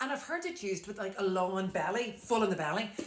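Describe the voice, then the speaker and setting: A woman with an Irish accent speaks at a medium pitch with ordinary pitch variation, over noticeable background noise. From Ireland. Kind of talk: casual talk to camera. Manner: fast.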